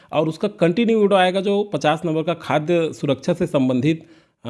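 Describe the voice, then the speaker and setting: A man with a slightly high voice teaches an exam-prep class. He asks questions and answers them himself, and he repeats the key words so they stick. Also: darkish tone.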